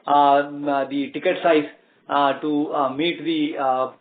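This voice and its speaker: An Indian-accented man with a slightly high voice answers financial questions as a company executive. He explains in measured, halting phrases. The sound is tinny, like a phone conference line. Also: level tone. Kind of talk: earnings call answers.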